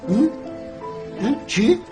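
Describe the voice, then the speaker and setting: A man's voice: very high-pitched, very animated, music in the background. An actor with a Tajik accent playing a concerned, protective father in a dubbed drama. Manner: concerned, insistent.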